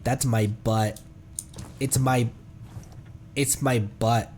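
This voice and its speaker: A man's voice: medium pitch, steady tone, extremely slow, a little mellow, a little hiss or hum. A man livestreaming a game with casual, jokey commentary, reading bits of dialogue aloud. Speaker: streamer.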